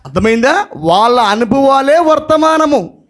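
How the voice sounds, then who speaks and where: A male pastor preaching an impassioned sermon, dropping in English phrases and shouting the lines he wants to stress. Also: extremely high pitch, lively intonation, a little slow.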